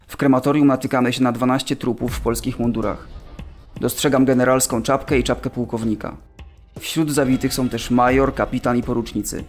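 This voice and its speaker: Male, mid-pitched, sober prisoner testimony acted, radio play with soft music beneath. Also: natural voice. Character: sober male camp prisoner reporting what he witnessed. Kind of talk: dramatic reading of prisoner testimony in an audio drama. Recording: studio voice over background music.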